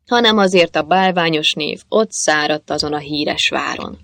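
A woman recounts an old legend in a lowish, steady voice. The sound is close and dry, with no room around it. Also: no echo. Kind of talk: storytelling of a folk legend.

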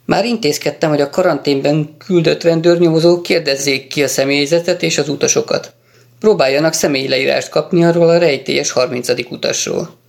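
A man reading a calm police officer. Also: on the high side, gravelly. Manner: steady, matter-of-fact.

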